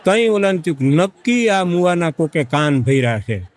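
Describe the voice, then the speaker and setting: A man telling a folksy comic village tale, acting out the characters with drawn-out repetition. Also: on the high side, big pitch swings, some chatter behind. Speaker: comedic storyteller. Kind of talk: folk joke storytelling to a live audience.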